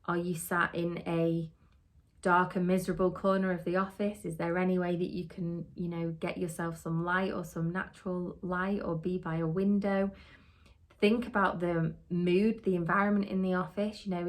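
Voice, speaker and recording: A middle-aged woman, giving an earnest, steady training talk on social work and asking many rhetorical questions. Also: fairly low pitch. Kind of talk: podcast teaching talk.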